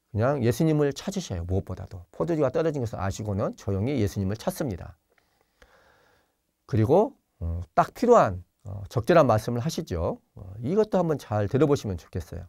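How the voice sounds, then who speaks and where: A Jeolla-born priest lectures over a video call, his pitch rising and falling with lively expression. He explains gently, pausing often with fillers, and slips into acted quotes. The sound is dry and close, with little room in it. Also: vocal fry, no room sound. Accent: Jeolla Korean. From Jeolla, Korea. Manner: gentle explaining tone with many pauses and fillers, acts out quoted lines. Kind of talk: online spiritual lecture.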